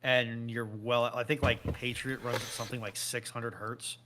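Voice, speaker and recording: A man giving a measured, casual technical explanation as a panel guest, carefully qualifying what he says. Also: mid-range voice, flat delivery, noisy background.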